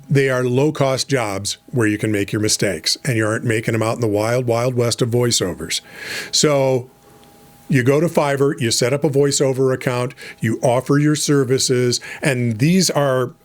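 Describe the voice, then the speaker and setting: A middle-aged man giving casual, encouraging advice on voice over work, chatty with fillers and restarts. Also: medium pitch. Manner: conversational, frequent fillers and restarts. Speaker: voice over coach. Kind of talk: casual instructional talk.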